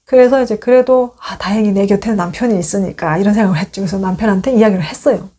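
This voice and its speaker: A woman in her thirties, originally from North Korea, hosts a YouTube video telling a personal story in a casual monologue. She's animated, acting out the quoted dialogue, with a medium-pitched, fast voice and a breathy edge.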